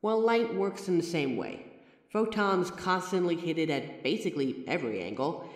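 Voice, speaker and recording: A man's voice: fairly high pitch, expressive, moderate pace. A man voicing a person's own mirror reflection, a sentient being of light, who explains things patiently to the listener with chatty, wry asides. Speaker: audio roleplay voice actor. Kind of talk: scripted audio roleplay addressed to the listener. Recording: echoey room with long reverb.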